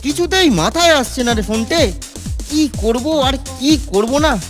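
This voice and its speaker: A woman's voice: sits high, lively intonation, unhurried. A woman voicing a crafty, conspiratorial young schoolboy in a cartoon. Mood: pondering. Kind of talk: cartoon voice acting. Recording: music behind.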